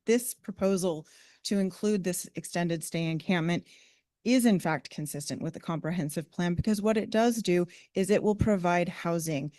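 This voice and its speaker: A woman speaking formally at a public meeting, explaining her points in a measured way. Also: on the low side, darkish tone, dry recording.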